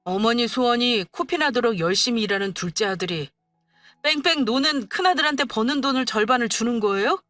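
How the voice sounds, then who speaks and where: A woman's voice: on the high side, lively intonation, moderate pace, sharp tone, no echo. Story reading: woman voicing an exasperated adult son, firm and pleading, faint music under. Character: overworked adult son standing up to his mother, exasperated.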